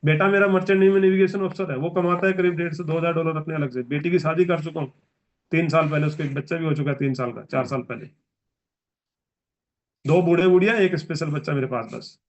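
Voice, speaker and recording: A man's voice: a little high, steady tone, quick pace, highs cut off. A man in his forties giving a motivational business training speech, emphatic and repetitive as he exhorts the audience. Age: 40s.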